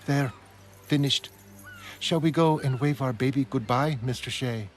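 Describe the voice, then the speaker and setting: A man voicing a precise, aloof female illustrator who speaks crisply. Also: mid-range voice, a little slow, natural voice. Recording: music underneath.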